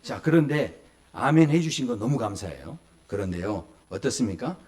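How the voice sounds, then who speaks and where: A man's voice: medium pitch, moderate pace. A man in his forties preaching a sermon as pastor, telling stories, acting out small voices and asking the congregation questions. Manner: lively storytelling, acts out children and adults in little voices.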